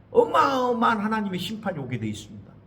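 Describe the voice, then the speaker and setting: Audible room echo around a man's fairly quick speech. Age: 60s. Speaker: pastor. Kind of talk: sermon. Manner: animated.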